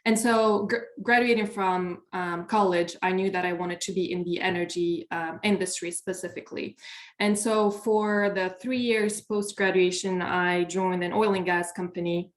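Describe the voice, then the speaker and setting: A young woman from Morocco speaking as a panel guest in a measured way, with many pauses and ums, on a video call. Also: fairly low pitch, steady tone. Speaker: panel speaker, solar developer. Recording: echoey room.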